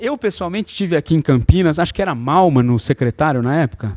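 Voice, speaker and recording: Recorded dry and close with no echo, a man speaks with very wide pitch swings. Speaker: panel speaker at innovation event. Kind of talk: panel discussion. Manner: soft-spoken; halting, many fillers.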